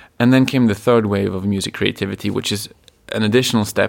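A man speaks in a fairly low pitch with a slight Swedish accent, his intonation monotone and flat. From Sweden. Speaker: company founder and CEO. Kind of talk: interview.

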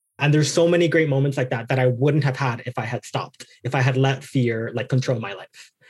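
At a fairly quick pace, a man with an American accent speaks in a somewhat breathy medium pitch with fairly even intonation. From Florida, Orlando and Miami. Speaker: memoir author. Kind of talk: interview.

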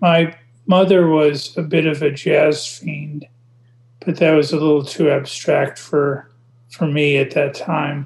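With an American accent, a man speaks at a very slow pace. His intonation is monotone and flat, and his voice is somewhat breathy. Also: fairly high pitch for a man. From Ohio, US Midwest (Toledo). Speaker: record label founder. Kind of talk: interview.

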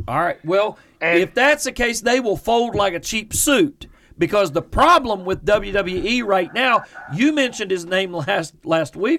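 In an Appalachian accent, a man speaks at a high pitch with a bright, sharp tone. His pitch swings very widely. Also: very clean recording, silent background. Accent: Appalachian American. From West Virginia. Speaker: wrestling podcast co-host. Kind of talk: casual chat. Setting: studio.

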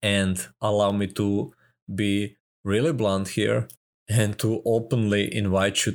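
Recorded very cleanly against a silent background, a man with a non-native accent speaks at a fairly low pitch. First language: not English. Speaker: podcast host, affiliate marketer. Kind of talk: solo podcast monologue. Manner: casual, laughs often.

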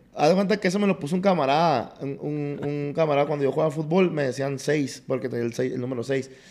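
Talking very fast, a man shows ordinary variation in his pitch. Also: fairly high pitch for a man, hardly any pauses. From northwestern Mexico (Sonora, Mexicali). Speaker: singer of a regional Mexican band. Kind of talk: casual chat.

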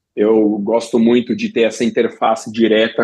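At a moderate pace, a man speaks in a medium pitch with a dark, mellow tone and monotone, flat intonation. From Guarulhos, Greater São Paulo, Brazil. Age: 40s. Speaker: law professor. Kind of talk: interview.

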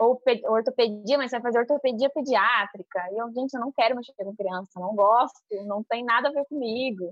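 A woman with an ordinary speaking voice talks at a fairly quick pace, her pitch fairly high with ordinary pitch variation. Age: 20s. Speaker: medical student. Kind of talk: interview.

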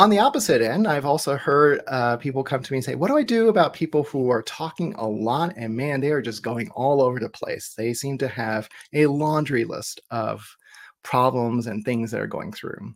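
On a very clean recording with a silent background, a man with an American accent uses an ordinary speaking voice at a medium pitch, moderate pace and lively intonation. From US South, rural Georgia (Columbus). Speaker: psychology professor. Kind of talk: lecture.

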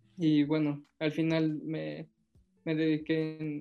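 A man's voice sits fairly high in pitch while music plays behind him. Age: 20s. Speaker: UX/UI designer and rapper. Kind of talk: interview.

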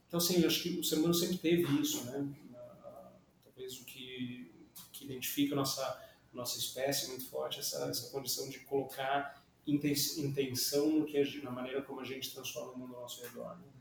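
A man with a fairly high pitch at a fairly quick pace, fairly even intonation, big swings in loudness and audible room echo. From Florianópolis, southern Brazil. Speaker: social impact innovation professional. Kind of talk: casual interview conversation. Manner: halting, many repetitions.

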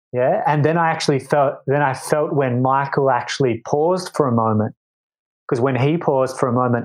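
In a very clean recording with a silent background, a man with an Australian accent speaks with fairly even intonation. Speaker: dance teacher and relationship coach. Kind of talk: casual interview.

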